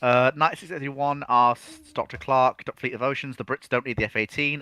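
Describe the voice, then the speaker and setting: Guy with a bright punchy lowish voice, dry close sound, opinionated chat show co-host, thinks out loud. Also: dry recording. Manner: opinionated, emphatic, thinks aloud and corrects himself. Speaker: co-host of a naval history livestream. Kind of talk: unscripted question-and-answer chat with analysis.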